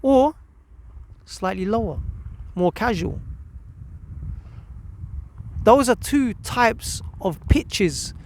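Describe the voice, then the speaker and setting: A man presents a parenting video as a coach, talking very slowly with frequent pauses over slight background noise. His voice is high and expressive, and his direct instruction relies on repeated key words and rhetorical questions for emphasis.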